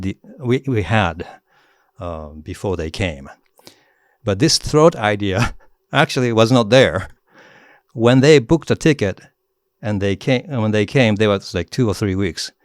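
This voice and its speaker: A middle-aged Japanese man with a Japanese accent, a guest author chatting in an interview, animated and laughing often as he demonstrates voices. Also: on the low side, no echo, clean studio sound. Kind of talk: casual interview talk.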